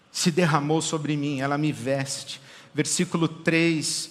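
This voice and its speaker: Pastor, male, impassioned sermon, high bright voice, long hall reverb. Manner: impassioned preaching, rising to loud repeated questions.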